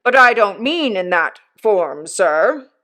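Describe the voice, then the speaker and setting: A woman's voice: mid-range voice, very animated, a bit bright. A woman doing a pompous lecturing old uncle. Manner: slow, emphatic, lecturing. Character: pompous self-satisfied older uncle, a man.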